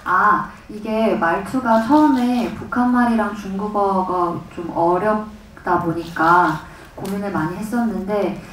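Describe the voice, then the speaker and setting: A woman actress answers panel questions in a measured, thoughtful way. Her mid-pitched voice sounds distant, with heavy hall echo and faint noise behind. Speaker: actress at a press conference. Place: large cinema hall. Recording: echoey hall from far off.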